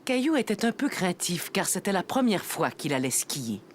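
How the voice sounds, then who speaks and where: A woman's voice: fairly low pitch, sing-song, moderate pace, slight background noise. A woman narrating a children's cartoon story as a scripted storyteller.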